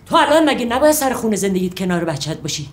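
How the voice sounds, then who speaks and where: A woman's voice: medium pitch, very animated, music in the background, natural voice. An actress playing a firm older widowed grandmother who scolds her grown son in a motherly way. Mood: scolding. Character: stern widowed grandmother, a medical student. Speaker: widowed grandmother turned medical student.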